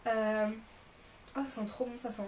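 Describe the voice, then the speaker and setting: A woman's voice: on the high side, little pitch movement, moderate pace, darkish tone, roomy sound, a little hiss or hum, rough recording. A young woman vlogging casually to camera in an informal, rambling way, her voice a bit off because she is mildly ill. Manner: informal, rambling, self-correcting. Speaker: vlogger presenting a shopping haul.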